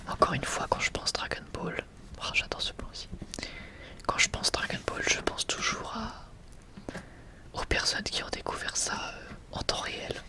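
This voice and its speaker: A young adult man whispers in a casual, enthusiastic ASMR style, sometimes hesitating as he presents. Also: normal speed. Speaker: ASMR video creator presenting a manga collection.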